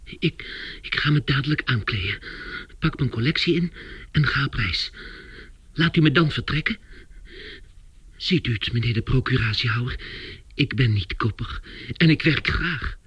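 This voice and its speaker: A man's voice: medium pitch, expressive, normal speed, long pauses, fairly bright tone, breathy edge, no echo. An actor playing an anxious young salesman turned beetle in a radio play, earnest and self-justifying. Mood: pleading.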